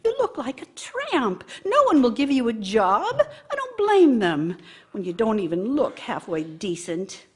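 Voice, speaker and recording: Actress as a high-voiced, bitter nagging wife. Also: female voice, wildly swooping pitch, measured pace, husky, heavily acted. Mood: nagging, disgusted. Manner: scornful, sarcastic, complaining. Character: bitter, nagging, aggrieved working wife scolding her idle husband. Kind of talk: stage-style radio drama monologue.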